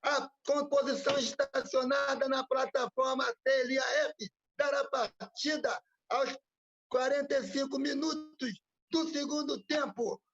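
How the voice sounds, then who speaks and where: Man playing a high, loud train station announcer, mock loudspeaker call, formal and drawn out, muffled lo-fi call audio. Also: fairly even intonation, unhurried, soft background music, full character voice. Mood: announcing.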